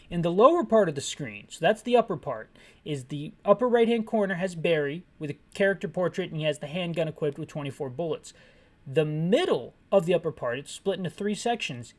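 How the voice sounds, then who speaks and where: A man who hosts a gaming channel, giving a rambling, jokey audio description of a game. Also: on the high side.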